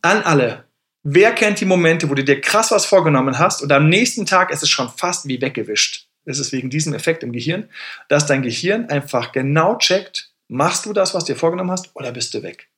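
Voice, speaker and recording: A man's voice: on the high side, a little fast. A man hosting a casual livestream, talking motivation and acting out the voices in his head as he thanks viewers. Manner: animated, thanks viewers for gifts mid-sentence; acts out inner voices in quoted asides. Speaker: livestream host.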